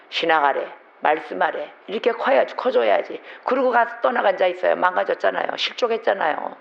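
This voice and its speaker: A man preaches a Sunday sermon in a high, animated voice, keeping it conversational and firing off rhetorical questions. The recording is slightly muffled, as from a church sanctuary. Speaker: pastor.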